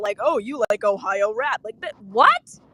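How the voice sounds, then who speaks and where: A woman with an American accent speaks in a fairly high pitch with lively intonation. The sound is dry and close with no echo, though noticeable background noise is present. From New England, Massachusetts. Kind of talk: casual chat.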